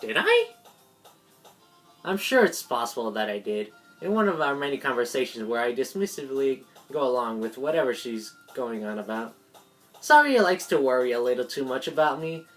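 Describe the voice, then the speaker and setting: A woman doing an amateur read-aloud narration of a visual novel with asides, stumbling over lines and correcting herself. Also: rumbling low. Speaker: video creator voicing a visual novel.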